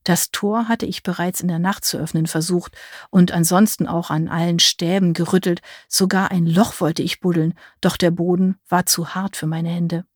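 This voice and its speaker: Low-voiced woman narrating a dark tale. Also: steady tone, dry recording, clean studio sound. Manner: measured, vivid storytelling. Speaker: audiobook narrator. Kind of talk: scripted first-person narration.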